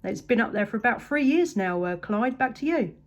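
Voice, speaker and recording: Upbeat english lady doing cb radio chat, voice on the high side. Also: expressive, fairly quick. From England. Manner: upbeat, appreciative. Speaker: CB radio operator. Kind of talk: casual radio contact chat.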